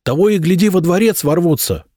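A man doing a shrill, frantic courtier. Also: lively intonation, a little fast, mellow, dry recording, clean studio sound. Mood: urgent. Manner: shrill, squealing urgency. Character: young man in disguise, shrill and urgent.

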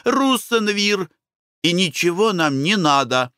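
A man voicing a fussy, impatient merchant's wife in an audiobook, pushing his voice up high and shrill. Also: expressive, slow pace, pushed and bright, clear, resonant tone, no room sound, clean studio sound, exaggerated voice. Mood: insistent.

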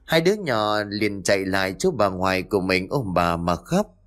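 Man reading a ghost story, lowish voice, steady even pace. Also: moderate pace.

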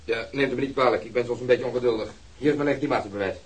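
A blunt police detective with a husky, breathy edge, voiced by a man in a radio play. He is impatient and sarcastic. His lines come fast and mocking. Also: medium pitch, natural voice, low-quality recording. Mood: curt.

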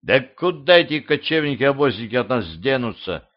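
A man voicing a gruff, commanding middle-aged boyar warrior in an audiobook, mocking and bold in manner. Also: medium pitch, big pitch swings, normal speed, close to an everyday voice. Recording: slightly dull lo-fi audio.

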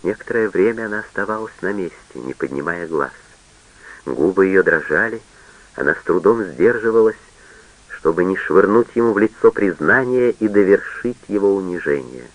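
A man reading a literary novel aloud in a measured, solemn way. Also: low voice, rough recording. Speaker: audiobook reader. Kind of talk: literary audiobook narration.

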